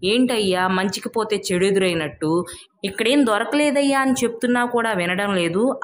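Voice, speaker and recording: A woman's voice: medium pitch, a little hiss or hum, close to an everyday voice. A woman voicing a greedy, deceitful village father in a storybook tale, indignant and blustering.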